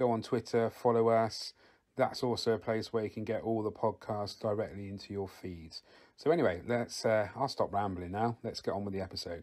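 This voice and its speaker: Someone with an English accent talks at a fairly quick pace with fairly even intonation. The recording is very clean, with a silent background. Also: man, medium pitch for a man. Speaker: podcast host. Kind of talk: casual chat. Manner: soft-spoken. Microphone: new equipment.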